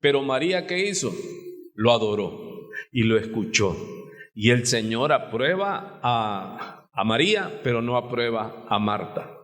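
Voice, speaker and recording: A man's voice: mid-range voice, expressive, unhurried, a bit bright. A male pastor with a Mexican Spanish accent preaching a sermon in a church sanctuary, often asking the congregation rhetorical questions. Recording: long church reverb.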